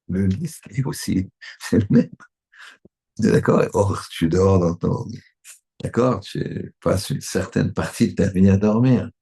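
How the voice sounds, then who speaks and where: A man's voice: deep voice, creaky, warm tone, slightly rough. A man, a rabbi, giving a Torah lesson in a conversational way, often checking that his listeners agree.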